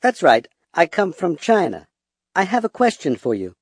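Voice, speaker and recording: Actor as a courteous Chinese caller; husky, slow simple lines, dry close sound. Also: male voice, high-pitched, wildly swooping pitch, no room sound, full character voice. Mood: polite. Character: polite Chinese male caller, beginner English. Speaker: listener caller on a radio show. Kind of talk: scripted language-lesson dialogue.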